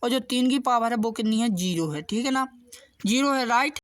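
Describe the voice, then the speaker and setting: Very high and fairly quick, a male tutor's voice carries a patient, steady math lesson aimed at exam prep. He walks viewers through each step, frequently asking them something and then answering it himself.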